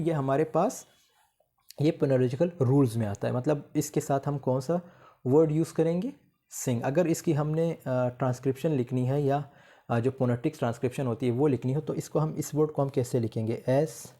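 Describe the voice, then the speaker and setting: Man, teaching phonetics, mellow dark tone, reads English definitions slowly. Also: on the high side. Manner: mixes Hindi-Urdu with slowly read English definitions; writes on a board while explaining. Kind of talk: lecture explaining phonetics.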